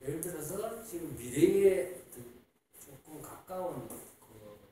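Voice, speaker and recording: A man's voice: fairly high pitch, expressive, slow, mellow. A man asking an interviewee long, rambling questions in a casual way. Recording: distant, echoey, faint noise.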